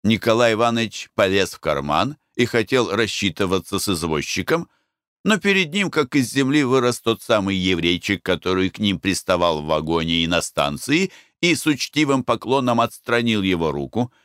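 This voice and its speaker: Guy narrating an audiobook, low voice, smooth and resonant, dead dry sound. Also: animated, moderate pace, a bit bright, no echo. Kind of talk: scripted narration.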